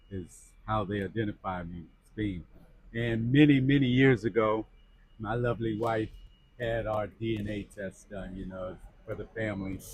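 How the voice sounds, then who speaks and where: A man's fairly low, somewhat breathy voice with an American accent, big swings in loudness, fairly even intonation and a moderate pace. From Florida, US. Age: 60s. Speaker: retired American traveler. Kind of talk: casual interview.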